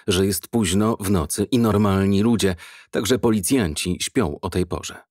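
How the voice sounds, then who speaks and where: A man reading an audiobook in measured, even scripted narration. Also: on the low side, slightly rough, no room sound, studio quality.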